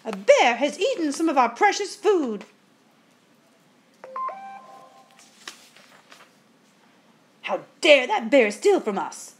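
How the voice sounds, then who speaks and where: A woman's voice: high voice, sing-song, moderate pace, a little hiss or hum, voice pushed up. A woman voicing greedy, quarrelsome ghost sisters in a storybook, bickering and exclaiming shrilly. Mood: outraged.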